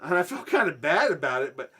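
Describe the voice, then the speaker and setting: Man, casual swearing storyteller, slightly higher voice, lively pitch swings. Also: quick pace, slightly rough. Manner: profane, animated, swings from hushed to shouting. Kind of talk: casual anecdote telling.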